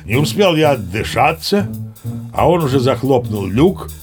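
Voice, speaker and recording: A man's voice: mid-range voice, very animated, normal speed, over music, natural voice. An actor playing a seasoned, boastful old sea captain who tells his yarns in a chatty, emphatic, theatrical way. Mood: self-assured. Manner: chatty, folksy, self-assured, emphatic. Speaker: narrator. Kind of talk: theatrical first-person storytelling, audio play.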